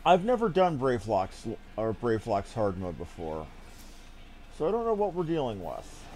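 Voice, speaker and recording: A man's voice: medium pitch, wildly swooping pitch, normal speed, darkish tone, soft background music. A man giving casual live commentary while streaming a game, with a wry, mildly profane way of talking.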